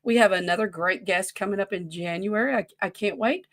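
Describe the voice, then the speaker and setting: A woman's voice: medium pitch, fairly quick, fairly bright tone. A woman in her forties, co-hosting a podcast in a casual, rambling way and easily drifting off on tangents. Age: 40s. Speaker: podcast co-host running a wrestling quiz. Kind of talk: casual chat.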